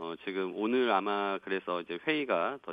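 This man has an ordinary speaking voice at a fairly low pitch. His pitch variation is ordinary. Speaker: member of parliament. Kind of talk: radio interview. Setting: phone call.

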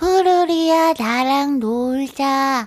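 A put-on character voice, female-sounding and high-pitched, with a playful tone and a very slow pace. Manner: cute, playful.

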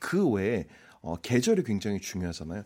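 This man speaks at a moderate pace with very wide pitch swings, in a very clean recording with a silent background. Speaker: chef. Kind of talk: casual radio chat, giving advice. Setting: radio studio.

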